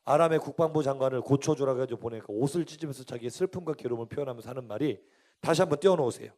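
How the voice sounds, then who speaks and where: A male pastor preaching a sermon in a church, emphatic and demanding, who has the congregation repeat after him and swings from shouting to quiet asides. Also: mid-range voice, very fast. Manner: switches between shouting and quiet, intimate remarks. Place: church sanctuary.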